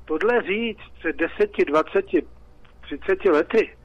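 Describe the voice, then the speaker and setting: A man's voice: high-pitched, dull audio. A Czech man calling in to a radio talk show, talking in an agitated, repetitive way. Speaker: caller.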